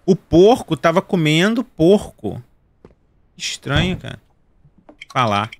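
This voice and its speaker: With a Rio de Janeiro Carioca accent, this Brazilian man in his thirties casually jokes with his viewers during gameplay, using plenty of slang. He talks slowly in a fairly high, sing-song voice, and there is no room sound.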